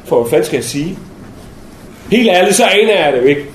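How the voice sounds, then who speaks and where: A man's voice: sits high, expressive. A young man acting a brash, shaken male soldier in a theatrical monologue, coarse and restless, in a roomy space with faint noise. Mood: agitated.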